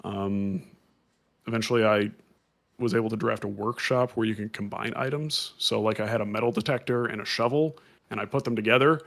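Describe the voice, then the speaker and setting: A man co-hosting a podcast rambles through casual explanations at length, filling them with many "um"s and restarts. His lowish voice is creaky and a bit bright, with fairly even intonation and a brisk pace.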